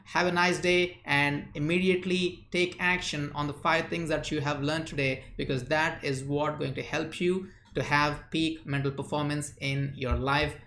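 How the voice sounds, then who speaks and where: Reading viewer chat aloud on his live stream, this memory coach from India responds rapidly in a chatty way, calling out names and peppering his answers with lots of "uh." His voice is a little high and fairly bright, and the sound is roomy.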